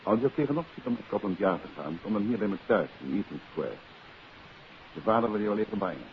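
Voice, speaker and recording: A confident gentleman detective in a 1950s radio play. His mid-pitched voice moves with very lively intonation, on a dull old recording with clear hiss. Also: fast. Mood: reassuring, firm. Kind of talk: 1950s radio drama acting.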